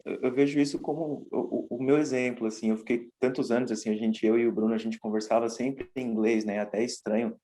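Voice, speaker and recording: A man chatting casually on a podcast, relaxed and conversational, often ending sentences with a tag question. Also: mid-range voice, quick pace, hardly any pauses, rough recording. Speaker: podcast co-host.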